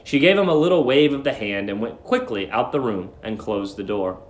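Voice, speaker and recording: A man's voice: mid-range voice, animated, fairly quick, reverberant. A man narrating a short story as a dramatic reading.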